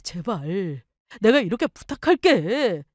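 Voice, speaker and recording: A woman voicing a pushy, panicky husband in a story drama, shifting between yelling and begging. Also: mid-range voice, sing-song, slow, dry recording, clean studio sound. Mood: pleading. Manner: angry then pleading. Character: panicky, pushy husband, middle-aged man.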